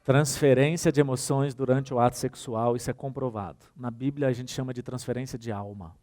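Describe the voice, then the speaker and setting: Speaking at a brisk clip in a mid-range voice, a man with a Brazilian Portuguese accent gives a workshop talk. He tells anecdotes with animated storytelling, acting out the dialogue and addressing his audience directly.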